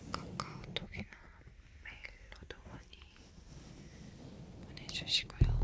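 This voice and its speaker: A woman whispers at a very slow pace. Long, frequent pauses break up her words. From Korea. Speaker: ASMR creator. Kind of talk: ASMR whisper video. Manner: whispered. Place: home room. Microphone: studio mic.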